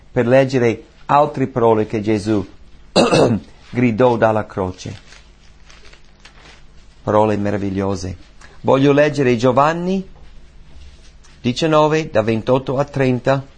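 Delivering a sermon in a medium-pitched voice, a man speaks emphatically, repeats key phrases, and swings between soft lines and loud ones.

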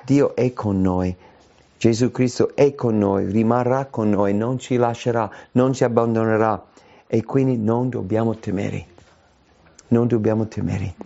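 A man preaching a sermon, his voice leaping high when he acts out quoted cries. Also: gravelly, warm tone. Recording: dull lo-fi recording.

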